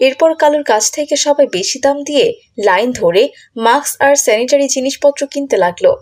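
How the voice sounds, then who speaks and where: A woman's voice: high-pitched, lively intonation, brisk, darkish tone. A woman giving scripted narration for a cartoon story.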